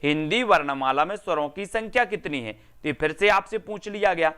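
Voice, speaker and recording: Bright, clear-voiced male Hindi teacher. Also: a little high, animated, moderate pace. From India. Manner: repetitive, addresses students by name, answers own questions. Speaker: exam-prep Hindi teacher. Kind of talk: online class lesson.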